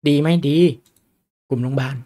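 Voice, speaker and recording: A man's voice: brisk, mellow. A man giving a chatty lesson on reading stock charts, often throwing questions at his listeners. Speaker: stock market teacher. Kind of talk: casual lecture on stock charts.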